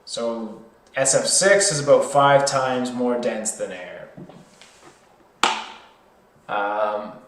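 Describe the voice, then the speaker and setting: A man's voice: mid-range voice, very slow, long pauses, echoey room, noisy background. A man working through a problem as an informal tutor, hesitant, thinking aloud and correcting himself.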